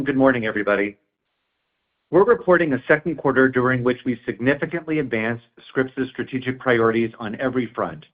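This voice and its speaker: A man working as a chief executive delivers scripted remarks on an earnings call. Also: medium pitch. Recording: tinny phone-line conference call.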